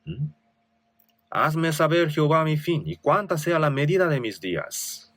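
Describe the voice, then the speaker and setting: A man's voice: fairly high pitch, animated, a little slow, no room sound. A male pastor with a Korean accent preaching a sermon, reading scripture with rising emphasis and asking rhetorical questions.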